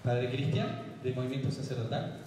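A man's voice: medium pitch, animated, normal speed, warm tone, a little hiss or hum. A man from Chile interpreting a guest preacher phrase by phrase for the audience and adding short asides to them. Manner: repeats each phrase, adds brief asides to the audience. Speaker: interpreter and event host. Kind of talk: live sermon interpreting. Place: large hall with bare walls, indoors. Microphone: handheld mic, heard from a distant camera. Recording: echoey hall from far off.

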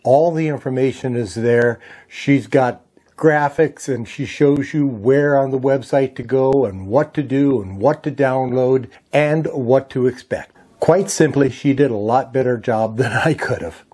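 A man in his sixties hosting an informal ham radio software tutorial, explaining things patiently step by step in a folksy way. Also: medium pitch, measured pace, slightly rough.

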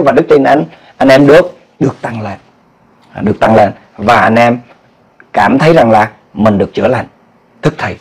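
High-voiced preaching male pastor. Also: low-quality recording. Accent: Vietnamese (Southern). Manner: animated preaching, asks the congregation questions and acts out quoted cries. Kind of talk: sermon.

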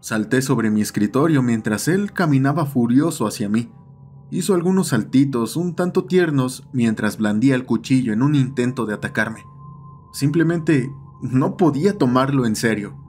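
A man's voice: mid-range voice, lively intonation, moderate pace, a little mellow. A man narrating a scripted horror story as the host of the channel. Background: background music.

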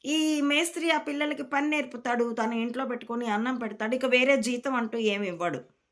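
Woman, spiritual teacher, reflective discourse, slightly high voice, thoughtful pauses. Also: a bit bright. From Rayalaseema, India. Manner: measured, in short phrases with thoughtful pauses. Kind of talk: reflective spoken discourse to followers.

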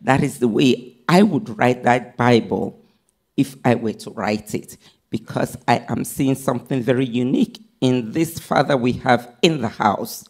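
A woman pastor delivers a sermon at an unhurried pace. She reads scripture in careful, measured phrases and repeats key lines for emphasis. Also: extremely low pitch, darkish tone, husky. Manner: preaching, reading scripture aloud in measured phrases.

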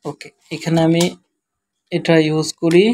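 A tired man with a Bangladeshi accent, speaking quietly and slowly as he walks through a screen-share tutorial. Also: a little high, completely flat delivery. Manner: quiet, slow, tired-sounding talk. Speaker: web developer teaching SEO.

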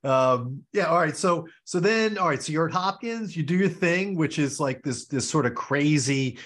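A middle-aged man from Baltimore hosting a show over a video call, chatty and full of quick asides and restarts, speaking on a headset from a home office. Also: on the high side, lively intonation, fairly bright tone. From Baltimore, USA. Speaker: podcast host. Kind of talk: casual video call interview.

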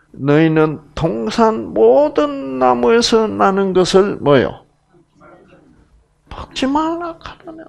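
A man's voice: sits high, creaky, voice pushed up, exaggerated voice. A man voicing a sly, coaxing serpent who tempts a woman with insinuating questions, in a Gyeongsang accent. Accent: Gyeongsang dialect.

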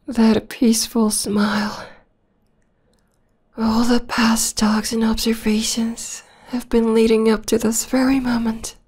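Girl doing a possessive vampire stalker asmr, soft breathy higher voice, very even pitch, intimate and creepy. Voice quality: breathy, whispery. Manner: intimate, slow, lingering delivery. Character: obsessive, possessive young female vampire stalker, tender and menacing. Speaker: voice actor. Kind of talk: ASMR roleplay.

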